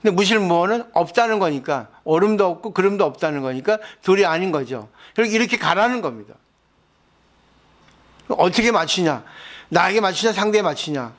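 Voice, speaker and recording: A man's voice: high voice, expressive, brisk. A man, a Buddhist monk, lecturing on scripture, explaining with everyday examples and asking his listeners rhetorical questions. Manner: asks the audience rhetorical questions.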